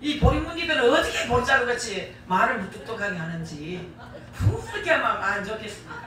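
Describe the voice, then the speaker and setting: This middle-aged Gyeongsang-accented woman delivers her sermon in a bright, forceful, somewhat high voice, animated and brisk. Folksy and emphatic, she repeats key phrases to give them weight. The church hall echoes, the mic is distant, and there's slight hiss or hum.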